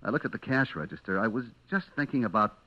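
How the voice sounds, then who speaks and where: A man's voice: lowish voice, expressive, fast talker, lo-fi sound. An actor playing a nervous, cornered man who tells his own story in clipped, confessional old-time radio suspense style. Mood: uneasy. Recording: vintage radio recording with music behind.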